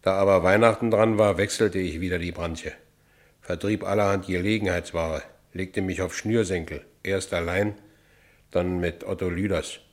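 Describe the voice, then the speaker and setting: A man's voice: sits low, steady tone, normal speed, close to an everyday voice. A man playing a working-class Berlin ex-convict determined to go straight, narrating his own story in a radio drama with a Berlin accent. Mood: matter-of-fact. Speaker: narrator and lead character.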